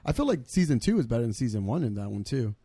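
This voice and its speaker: A man's voice: mid-range voice, very fast, breathy edge, dry recording. A man co-hosting a podcast in casual chat, joking and swearing freely. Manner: profane, lively, joking. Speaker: podcast co-host.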